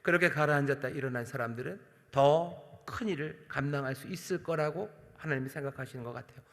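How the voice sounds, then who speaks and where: A man, a senior pastor, preaching earnestly at a night prayer service, addressing the congregation directly with emphatic swells and soft drops. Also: mid-range voice. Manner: addresses the congregation directly and voices God's questions. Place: large church sanctuary. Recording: long hall reverb from church sanctuary.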